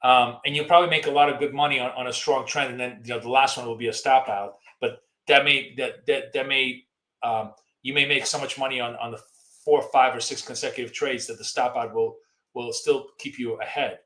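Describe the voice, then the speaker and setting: A man hosting a long live trading stream, rambling casually through market commentary and viewer questions, his voice going hoarse. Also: mid-range voice, steady tone, fairly quick, a bit bright, reverberant.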